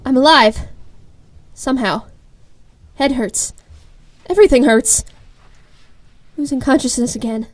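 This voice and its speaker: A fierce young heroine, acted by a woman in an audio drama. Her voice is high and youthful, with a defiant will behind every line. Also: unhurried, pauses often. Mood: pained, fading.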